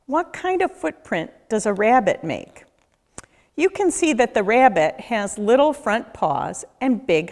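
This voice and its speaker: Woman, children's book read-aloud, deliberate questioning storyteller, animated intonation, long room reverb. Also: mid-range voice. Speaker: nature center educator reading aloud.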